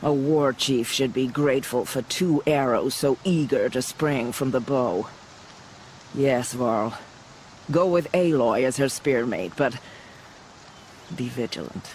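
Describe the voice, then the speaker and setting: A middle-aged man voicing a tribal war chief in a game cutscene, giving measured, commanding orders. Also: medium pitch, darkish tone, a little hiss or hum, close to an everyday voice, low-quality recording. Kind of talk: video game cutscene acting.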